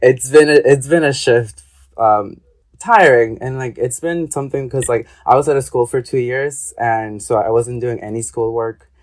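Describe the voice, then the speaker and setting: A young adult man from Ecuador, an artist and graduate student, talks casually as an interview guest, his speech hesitant, rambling, and packed with fillers. He has a mid-range voice at normal speed.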